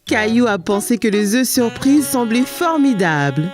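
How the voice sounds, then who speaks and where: A woman narrating a children's cartoon in a gentle, even storytelling voice. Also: a little high, measured pace, faint music behind.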